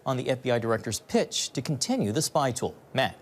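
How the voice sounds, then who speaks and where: A news anchor introducing a report in a smooth, formal way. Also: medium pitch, very animated, fairly quick.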